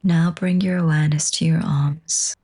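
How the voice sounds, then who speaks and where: A woman teaching yoga nidra, leading a slow guided relaxation in a soft, breathy, husky voice with a gentle, hushed, soothing manner. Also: low-pitched, fairly even intonation.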